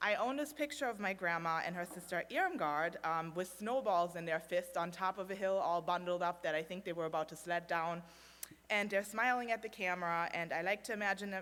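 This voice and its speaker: With a German accent, a woman speaks at a moderate pace. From Germany. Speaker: congregant sharing a personal reflection. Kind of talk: personal reflection in a worship service.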